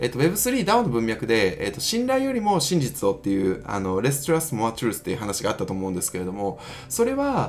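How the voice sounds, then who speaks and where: A man's very fast delivery with very wide pitch swings, amid noticeable background noise. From Himeji, Hyogo (Kansai), Japan. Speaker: company executive hosting own podcast. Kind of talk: solo podcast talk.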